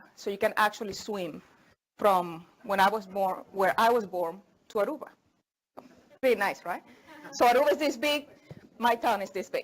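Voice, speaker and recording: A woman speaks in a Venezuelan accent, fairly high in pitch and with lively intonation. She leaves long, frequent pauses. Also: moderate pace. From Venezuela (Paraguaná peninsula, studied in Caracas). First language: Spanish. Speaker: engineer and part-time programming instructor. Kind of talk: conference talk. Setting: meetup presentation with audience. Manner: casual, hesitant with fillers.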